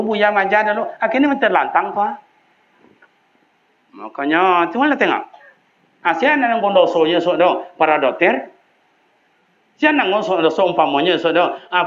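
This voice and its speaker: A man preaching a sermon in a mosque with a Minangkabau accent, swinging between loud high calls and low quiet asides. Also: dull audio.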